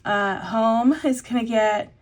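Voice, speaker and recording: Chatty congested woman budgeting out loud. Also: fairly high pitch, fairly even intonation, slow. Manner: chatty, thinks aloud with many fillers. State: congested with a lingering cough. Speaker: budgeting vlogger. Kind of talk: casual voice-over while cash stuffing.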